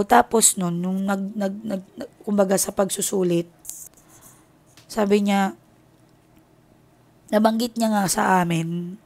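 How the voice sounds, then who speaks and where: Filipina tarot reader confiding a story. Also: female voice, medium pitch, darkish tone. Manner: candid, confiding, strings thoughts with many filler connectors. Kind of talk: casual personal storytelling.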